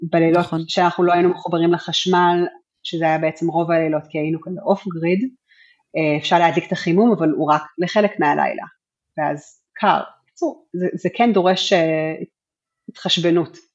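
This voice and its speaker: A woman speaks at a moderate pace in an English accent, her pitch fairly low. Her intonation stays fairly even, broken by long, frequent pauses. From English-speaking country. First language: English (speaking Hebrew). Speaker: art therapist and traveling mother. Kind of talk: casual interview.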